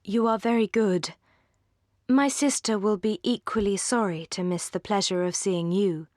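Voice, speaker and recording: A woman reading calm, sensible Elinor. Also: medium pitch, normal speed, dry recording, clean studio sound, lightly acted. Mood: composed.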